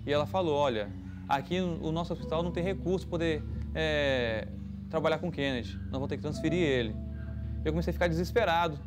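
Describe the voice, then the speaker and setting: A man giving a halting, emotional personal testimony about a frightening family event. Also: fairly high pitch. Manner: halting, emotional retelling with restarts. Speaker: testimony giver. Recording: music underneath.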